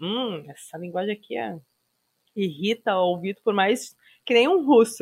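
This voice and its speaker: In a very clean recording with a silent background and a dry, close sound with no echo, a woman speaks at a moderate pace and medium pitch with very wide pitch swings. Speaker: Portuguese language teacher. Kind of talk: casual chat. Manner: animated.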